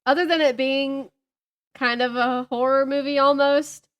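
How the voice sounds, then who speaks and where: A woman's voice: high-pitched, fairly even intonation, measured pace, muffled recording. A woman in her thirties chatting casually about books as a podcast co-host, giggly and gushing. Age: 30s.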